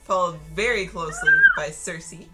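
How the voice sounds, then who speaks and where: Woman GM, casual and chatty with lots of fillers, lower register, background music. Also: wildly swooping pitch, normal speed. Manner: casual, laughing often, many fillers. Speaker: game master. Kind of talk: narrating a tabletop game.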